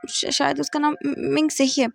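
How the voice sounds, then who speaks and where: A woman's voice: high voice, flat delivery, normal speed, creaky, pitched above the performer's own voice. A woman voicing a drunk, jealous young man who stammers and repeats his words in a hurt, whiny way, in a storybook reading. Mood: drunk, sulky.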